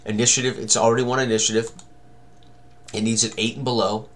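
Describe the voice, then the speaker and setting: A man's voice: mid-range voice, little pitch movement, quick pace, a bit bright, a little hiss or hum. A man in his sixties giving a casual tabletop game tutorial, thinking aloud as he works through it. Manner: talks to himself, exclaims mildly.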